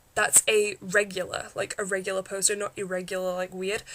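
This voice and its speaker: A woman at a medium pitch and a moderate pace, over noticeable background noise. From England. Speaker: podcaster. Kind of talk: casual monologue. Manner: casual, hesitant with fillers. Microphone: crackling from faulty microphone.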